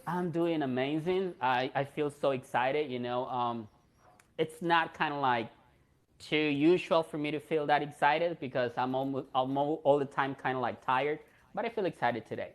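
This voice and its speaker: A young man from Peru with a Peruvian Spanish accent, hosting a casual live stream and chatting in a relaxed way with many fillers. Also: on the high side, moderate pace.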